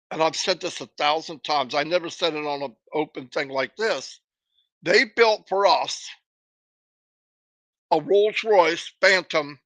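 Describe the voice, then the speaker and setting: A man's voice: high voice, pushed and bright, dry recording. A man hosting a motivational livestream, emphatic and repetitive, with a runny nose and a cough. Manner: emphatic, repetitive, preachy pep talk. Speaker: livestream host.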